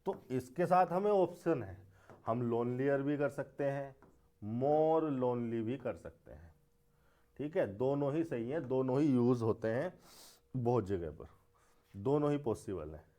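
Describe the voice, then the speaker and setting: A man with a mellow, rather dark voice teaches a grammar class. He explains step by step, repeating key words and asking the class rhetorical questions as he goes. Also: mid-range voice, animated, a little slow. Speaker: English teacher.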